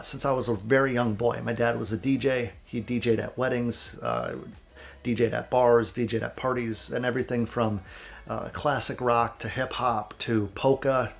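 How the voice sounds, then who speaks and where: Raspy, stuffy-nosed man with gravelly voice. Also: mid-range voice. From central Wisconsin. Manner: earnest, motivational, candid. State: sick with a cold, stuffy nose. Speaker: music producer and YouTuber. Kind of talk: vlog advice talk to camera.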